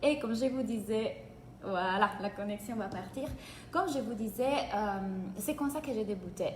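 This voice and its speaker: A woman from Italy with an Italian accent, giving an energetic live-streamed coaching session in French and greeting viewers by name. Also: medium pitch, normal speed, slight background noise. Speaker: business coach. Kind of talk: live-streamed free training. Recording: echoey room, faint ambience.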